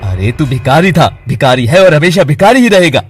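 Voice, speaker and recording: A man voicing an arrogant young man who shouts insults at a friend who owes him money. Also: a little high, quick pace, no echo, soft background music, natural voice. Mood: taunting.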